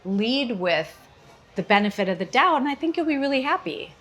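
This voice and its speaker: A woman's voice: on the high side, sing-song, a little fast, fairly bright tone. A middle-aged woman from Chicago with a Chicago accent, hosting a casual, joking chat as a comedian. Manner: joking, playful banter. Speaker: comedian host.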